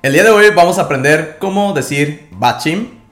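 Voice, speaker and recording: Man calmly explaining a language lesson. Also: fairly high pitch, moderate pace. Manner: calm, explanatory. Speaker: language teacher and podcast host. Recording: echoey room with music behind.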